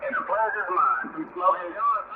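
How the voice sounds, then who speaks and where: A man's voice: sits high, animated, moderate pace. A folksy man with a Southern US accent, chatting in slang over a CB radio transmission. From Louisiana, United States. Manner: folksy, repeats catchphrases. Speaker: CB radio operator. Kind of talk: casual CB radio chat with slang. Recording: narrow, very noisy CB radio reception.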